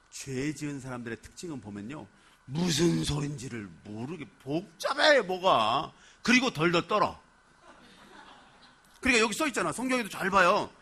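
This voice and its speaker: Korean pastor guy preaching, high bright voice, jumps all over in pitch, chatty with the church. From Chungcheong, Korea. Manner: animated and conversational, acting out people's words; asks the congregation questions. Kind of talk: sermon.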